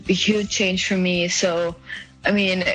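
Young woman, chatty, filler-heavy, low-ish voice. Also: little pitch movement, a little slow, fairly bright tone, soft background music, poor audio. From India. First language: an Indian language other than Hindi. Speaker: guest. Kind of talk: casual interview answers.

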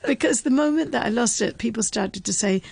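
A woman's voice: fairly high pitch, a little fast, gravelly, darkish tone, slightly rough, dry recording. A woman in casual chat, explaining facts as a radio presenter and laughing often. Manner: chatty, reads facts aloud, laughs often.

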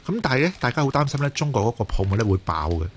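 A man's voice: medium pitch, big pitch swings, very fast, a little hiss or hum. A man with a Cantonese accent, a native Cantonese speaker, co-hosting and putting conversational questions to a guest. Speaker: radio co-host interviewer.

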